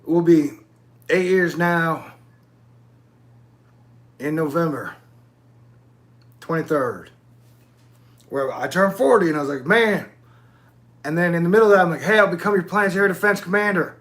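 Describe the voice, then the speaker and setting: A man's voice: a little high, moderate pace, long pauses, fairly bright tone. A man in his forties hosting his own channel, talking in a loose, rambling monologue and swearing now and then. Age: 40s. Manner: loose, digressive, swears casually. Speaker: YouTube channel host.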